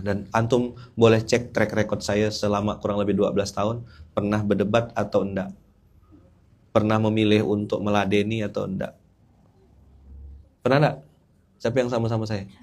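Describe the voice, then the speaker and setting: A man's voice: fairly low pitch, a little mellow. A male Islamic preacher, giving a casual, humorous sermon and often asking his audience questions.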